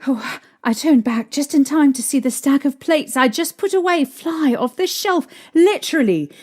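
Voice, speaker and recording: A woman playing a young mother shaken by strange happenings, recalling them in a halting, hesitant way. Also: sits high, expressive, darkish tone. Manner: hesitant, halting recollection with restarts. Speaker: interviewee recounting events. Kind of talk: fan audio drama acting. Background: faint music.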